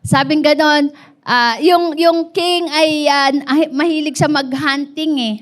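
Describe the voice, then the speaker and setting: Female pastor, Filipino accent, very high voice, animated storytelling sermon. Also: slow pace. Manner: animated storytelling with call-and-response.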